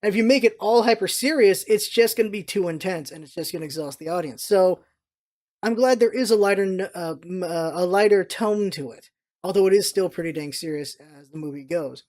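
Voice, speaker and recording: A vlog host with a mid-pitched voice talks casually and with strong opinions about what they watch. The delivery is emphatic and exasperated, leaning into a rant. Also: a little fast, darkish tone. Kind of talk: casual opinionated movie commentary.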